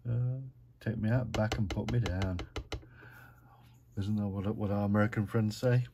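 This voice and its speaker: A British man chatting through a card-making tutorial at his craft desk, relaxed and self-mocking as he talks himself through each step. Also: lowish voice, slow pace, gravelly, pauses often, background noise.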